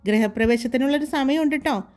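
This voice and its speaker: A woman's voice: high voice, brisk, a little mellow, soft background music, natural voice. A woman voicing a helpful young man friend who talks in a reassuring, reminding way, in a story reading.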